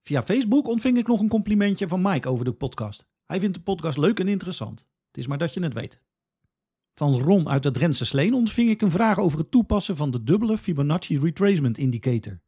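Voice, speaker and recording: A man's voice: on the high side, big pitch swings, fairly quick, mellow, slightly rough. A man from the Netherlands, hosting a podcast with scripted, instructional explanations addressed directly to the listener. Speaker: podcast host.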